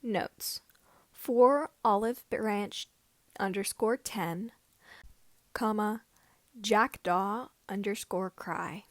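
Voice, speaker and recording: A woman reading a story aloud as scripted narration, with somewhat halting phrasing. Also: medium pitch, no room sound. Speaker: amateur audiobook reader of fan fiction.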